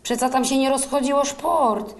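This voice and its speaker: A woman's voice: sits high, steady tone, moderate pace, vocal fry. A woman playing a sceptical grumbler in a scripted radio dialogue, opinionated and speaking with a Silesian accent. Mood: sardonic. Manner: opinionated, complaining. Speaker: co-host of a radio show.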